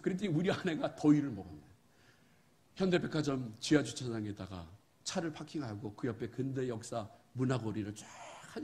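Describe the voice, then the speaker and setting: With a fairly high-pitched voice, a middle-aged pastor delivers a sermon built on folksy stories. He acts out bits of dialogue and drives toward forceful, emphatic points.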